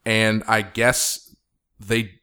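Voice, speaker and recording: Man, podcast host, low-pitched, relaxed, chatty, studio microphone. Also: drawn-out words, clean tone. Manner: relaxed, rambling with fillers. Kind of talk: casual podcast chat.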